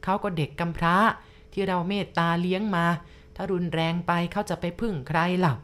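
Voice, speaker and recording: A kind old man pleads gently for mercy in a slow, soft storybook reading, as a woman narrator voices him. The voice sits low and calm. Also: natural voice. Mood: pleading.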